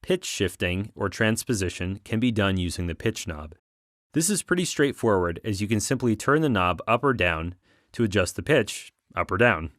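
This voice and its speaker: A man narrating a software tutorial as an instructor, explaining things clearly step by step on a close voice-over mic. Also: on the low side, very animated, moderate pace, no room sound.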